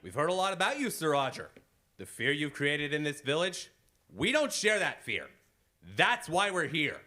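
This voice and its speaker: Man acting a bold male detective, bright voice, very varied pitch, formal, theatrical, radio mystery. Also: very animated, normal speed. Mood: bold, challenging. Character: bold, confident gentleman detective investigating mysteries.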